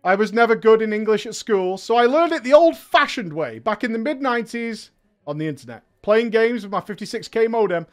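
Hyped high-voiced man hosting a stream. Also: animated, brisk. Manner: loud, hyped and swearing, with rambling asides. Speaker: streamer and show host. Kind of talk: livestream commentary reading viewer letters.

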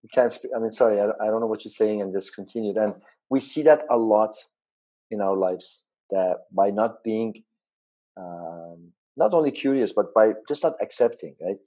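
A man hosts an interview in a mellow, husky voice. He talks haltingly, with frequent pauses and restarts, and keeps checking in with his guest by adding tag questions. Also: fairly low pitch, rough recording. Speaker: interview host. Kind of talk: conversational interview.

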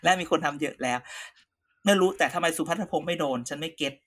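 A high-pitched man with a bright, sharp edge to his voice, co-hosting a relaxed political talk show. He chats loosely, tossing in asides and laughter. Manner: chatty, quick asides and laughs. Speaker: co-host. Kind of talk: casual political chat.

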